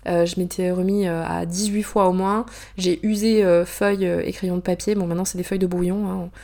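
A young woman from France tells a personal story in a loose, chatty monologue. Her voice sits a little low for a woman. She pauses often, fills gaps with hesitations and drops in quick asides. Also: level tone, gravelly, dark tone. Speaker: author telling a personal story.

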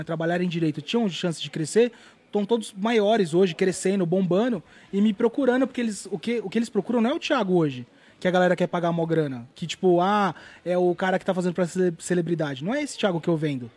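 Husky high-voiced man, rapid slangy São talk. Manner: animated, slangy, swears freely. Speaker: artist guest. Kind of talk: casual storytelling interview.

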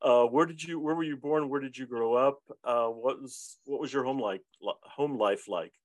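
A man's voice: medium pitch, normal speed, no room sound. Affirming male interview host. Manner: affirming, with repeated backchannels. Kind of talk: friendly interview chat.

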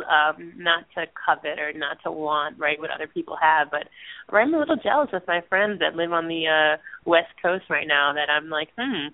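A woman's voice: sits low, creaky, dry recording. A woman co-hosting a podcast, upbeat and chatty though she is losing her voice, calling in from a hotel balcony. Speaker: co-host. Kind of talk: casual chat. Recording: phone-line sound, dry.

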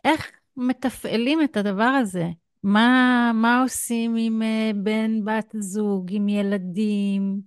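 A woman's voice: a little high, fairly even intonation, clear, resonant tone, no room sound. A woman with an Israeli accent hosting a conversational podcast interview. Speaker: podcast host.

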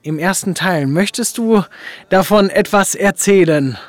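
A male podcast host chats casually with his guests. His voice is high for a man and recorded close and dry. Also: unhurried, dry recording. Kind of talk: casual interview chat.

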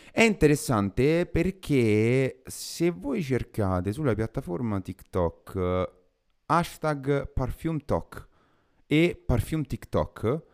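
Chatty man co-hosting. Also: mid-range voice. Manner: chatty, laughs often, reads out news. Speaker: podcast co-host. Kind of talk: casual news chat.

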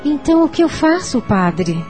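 An actress playing an anguished, stubborn Catholic mother in a radio soap opera, with a husky voice and an emphatic, defensive manner. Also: high voice, very animated, normal speed, a little mellow, faint music behind. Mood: desperate.

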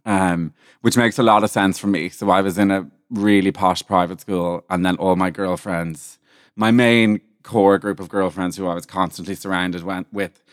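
A man with a posh Dublin accent, a podcast guest chatting casually in a camp, animated way. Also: low-pitched, moderate pace, no room sound, studio quality. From Ireland. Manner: camp, animated, swears freely. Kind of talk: casual chat.

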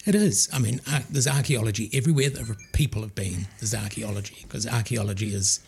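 An older man, an archaeologist, answering interview questions in a measured, thoughtful way. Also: on the low side, gravelly. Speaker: archaeologist guest. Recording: faint background noise.

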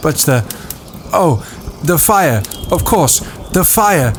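A man's voice: on the high side, very animated, slow, background noise, voice pushed up. A man voicing an earnest boy leader. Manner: earnest, groping for words.

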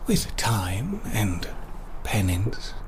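Man playing a slow-spoken, cryptic caged mystic. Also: fairly low pitch, sing-song, slight background noise, heavily acted. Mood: coaxing. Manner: formal, ornate, deliberate phrasing with whispery moments. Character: caged male mystic prisoner, cryptic, courtly, quietly persuasive. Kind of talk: improvised horror fantasy podcast roleplay.

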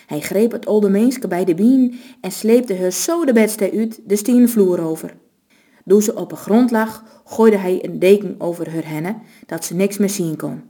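Mellow-voiced woman reading a story. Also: medium pitch, unhurried. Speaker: narrator.

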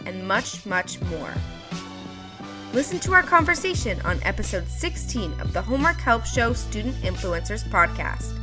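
A woman hosting a podcast, reading a scripted intro and then chatting casually, upbeat and quick to encourage her guest. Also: a little high, a bit bright. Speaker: podcast host.

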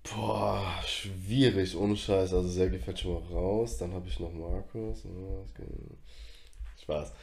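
Laid-back young man with a lowish voice. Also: fairly even intonation, measured pace, creaky, a little mellow. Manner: slangy, rambling with many fillers. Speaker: podcast co-host. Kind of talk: casual chat.

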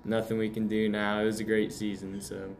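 Teen male, fairly low pitch, monotone, understated casual interview answers. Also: a little fast. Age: teens. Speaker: high school athlete interviewed.

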